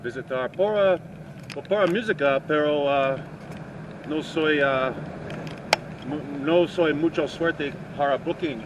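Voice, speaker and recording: Man, higher voice, halting learner's spanish, taxi noise. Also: highs cut off. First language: English. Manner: halting learner's Spanish, many fillers and restarts. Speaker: musician and songwriter. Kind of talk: casual chat in a taxi. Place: inside a moving taxi. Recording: noisy car ride recording. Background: street and engine noise.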